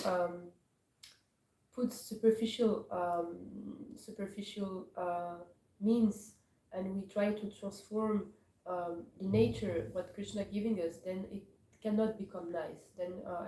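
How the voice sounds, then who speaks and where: A woman from Morocco gives a scripture class, pausing often and searching for her words. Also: medium pitch, fairly even intonation, warm tone. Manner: hesitant, searching for words with many pauses. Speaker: class speaker. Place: temple hall. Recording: echoey hall from far off, faint noise.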